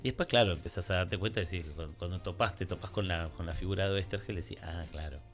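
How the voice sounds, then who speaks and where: A man's voice: deep voice, quick pace, faint music behind. An Argentine man hosting a radio talk, commenting in a reflective, discursive way and checking for agreement with short tag questions. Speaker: radio show host.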